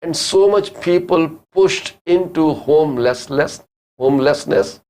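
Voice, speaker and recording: A man's voice: fairly high pitch, unhurried, darkish tone. A man with an Indian accent hosting a live real estate call-in show, firing off earnest rhetorical questions in a critical tone. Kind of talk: live talk show commentary.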